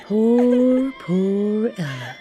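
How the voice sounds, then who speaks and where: A woman tells a children's fairytale over clear background music. Her delivery is slow and very animated in pitch, dropping into chatty, confiding asides. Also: lo-fi sound. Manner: chatty asides to young listeners. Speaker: storyteller. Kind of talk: expressive children's fairytale narration.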